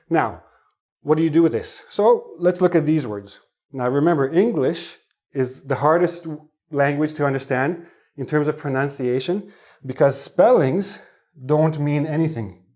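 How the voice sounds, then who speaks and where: A man teaching English pronunciation in a lesson to camera, sounding out words slowly and one at a time, with chatty asides. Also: medium pitch, a little mellow. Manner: slow, deliberate word-by-word enunciation with asides.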